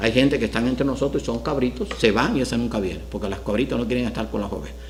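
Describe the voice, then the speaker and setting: The speech comes at a very fast pace. Noticeable background noise and audible room echo accompany it. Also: man. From Cuba. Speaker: pastor. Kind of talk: bible study sermon.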